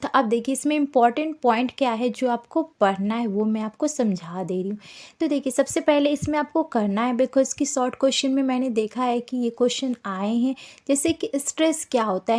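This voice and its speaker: A woman's voice: on the high side, a little fast, darkish tone. A woman tutor giving an explanatory exam-prep lesson, often repeating herself as she explains.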